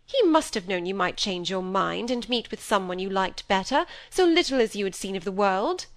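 A woman's voice: mid-range voice, expressive, moderate pace, natural voice. A woman voicing a self-pitying, fussy middle-aged stepmother who gushes and complains. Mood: fretful.

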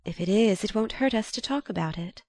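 A woman voicing a composed, dignified young society woman who speaks softly and earnestly. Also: mid-range voice, animated, a little fast, dry recording, studio quality, pitched above the performer's own voice.

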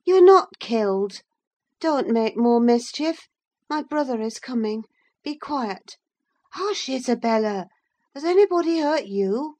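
A woman's voice: very high voice, slow pace, mellow, pitched above the performer's own voice. A woman reading an audiobook, voicing a bossy teenage girl who scolds and commands. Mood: contemptuous. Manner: scolding, then contemptuous.

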